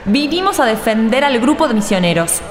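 A woman with an Argentine accent playing a melodramatic, indignant villager nearing fifty in a radio drama, sharp-tongued and gossipy. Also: on the high side, sing-song, brisk. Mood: defiant.

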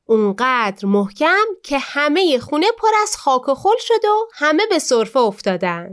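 A woman narrating a children's story slowly and expressively. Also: high voice, big pitch swings, fairly bright tone.

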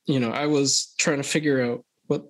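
A young man from Thailand, a podcast guest, talking in a slow, hesitant, thoughtful way with many restarts. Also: mid-range voice, fairly even intonation. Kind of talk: casual interview chat.

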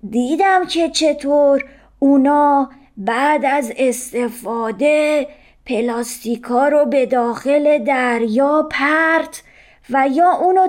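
A woman voicing a wise, experienced old turtle who calmly explains. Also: high-pitched, voice pushed up, close to an everyday voice.

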